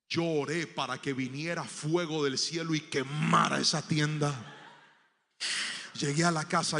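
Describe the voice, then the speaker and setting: Bright-voiced preacher man in a reverberant hall. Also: a little high. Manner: storytelling, acting out quoted voices, swelling to loud proclamation. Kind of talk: sermon with personal testimony.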